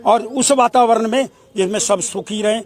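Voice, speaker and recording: A man delivering an impassioned protest address in a forceful, demanding, declamatory way. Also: high voice, moderate pace. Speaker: protest speaker.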